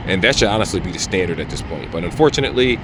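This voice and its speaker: A man's voice: sits low, expressive, rapid-fire. A man speaking casually and conversationally as an opinionated tech reviewer, recorded on an earbud microphone outdoors. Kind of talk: casual phone review to camera. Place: outdoors near traffic. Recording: outdoor street traffic, music in background.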